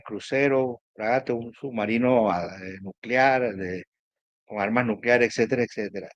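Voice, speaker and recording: A man with a Venezuelan Caribbean Spanish accent discussing politics conversationally as an analyst, emphatic and halting, repeating phrases for emphasis. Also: mid-range voice, dry recording.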